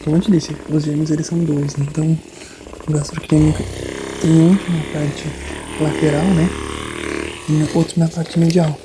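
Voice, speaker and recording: A Brazilian man in a soft-spoken ASMR roleplay as a chiropractor, reassuring and hushed, guiding the listener step by step and sometimes slipping into a whisper. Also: on the high side, flat delivery, normal speed, pauses often. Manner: reassuring, talks the listener through each step. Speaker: ASMR creator playing a chiropractor. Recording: close binaural recording with background noise.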